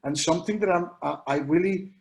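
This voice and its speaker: Earnest Mexican man, halting speech. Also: sits high, gravelly, darkish tone. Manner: earnest, halting, frequent restarts. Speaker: educator panelist. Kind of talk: online panel discussion.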